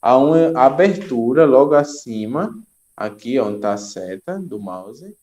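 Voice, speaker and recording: Mellow-voiced young man explaining slides. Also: medium pitch, animated, a little slow. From Brazil. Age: young adult. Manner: explanatory, checks in with "ok?" and "tá?". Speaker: teacher trainer. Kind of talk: recorded online lecture.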